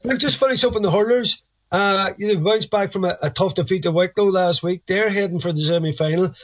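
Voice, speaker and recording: A man's voice: high-pitched, fairly quick, a bit bright, no echo. A man with a Donegal Irish accent hosting a sports show in a conversational presenting style.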